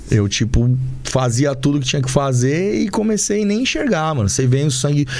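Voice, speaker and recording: With lively intonation, a man speaks at a fairly quick pace against noticeable background noise. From São Paulo, Zona Norte. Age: 30s. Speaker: personal trainer and bodybuilder. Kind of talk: casual chat.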